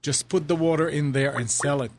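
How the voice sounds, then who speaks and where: Joking man with a slightly high voice. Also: a little fast. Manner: joking, amused.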